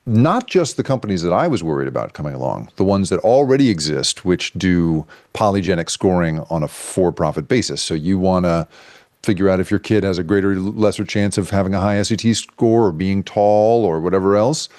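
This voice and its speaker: A man with a low voice tells a story as a guest on a casual interview show. He talks in an animated way, breaking off into restarts and fillers. The sound is dry and close, with no room around it. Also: fairly quick, no echo. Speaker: guest journalist.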